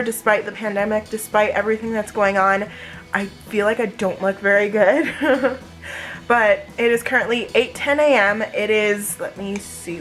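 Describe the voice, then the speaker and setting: A woman vlogger with a fairly high voice talks casually to her viewers. She is chatty and informal, in the style of a day-in-the-life vlog, with faint music behind her. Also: a bit bright.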